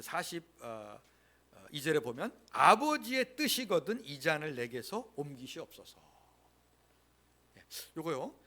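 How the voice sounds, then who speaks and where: Male pastor, Sunday sermon; fairly high voice with lively, wide-ranging pitch, emphatic repetition, leads call-and-response. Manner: leads the congregation in repeating lines aloud; emphatic, repeats key phrases. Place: church sanctuary.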